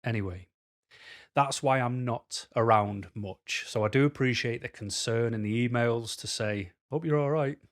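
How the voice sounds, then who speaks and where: A man, a little hoarse, talking frankly to camera in a rambling way with many pauses and ums. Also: medium pitch. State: slightly hoarse. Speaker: vlogger. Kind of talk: casual talk to camera. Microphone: camera mic.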